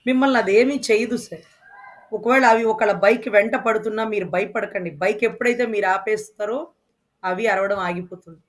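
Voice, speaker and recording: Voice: medium pitch, steady tone, a little fast. An interview guest speaking with passion, firing off emphatic rhetorical questions. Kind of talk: impassioned interview talk.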